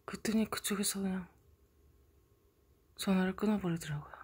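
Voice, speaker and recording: A middle-aged woman hosting her own channel, telling a story in a casual monologue and swinging dramatically from hushed murmurs to loud outbursts. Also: mid-range voice, normal speed, slightly rough. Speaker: channel host interpreting a dream.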